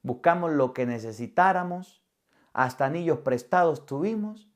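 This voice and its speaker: A priest preaching a homily in a somewhat high voice. He is a middle-aged man and a lively storyteller who slips into the voices of the people in his story. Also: normal speed. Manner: vivid storyteller who acts out dialogue. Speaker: Catholic priest. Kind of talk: sermon with personal storytelling.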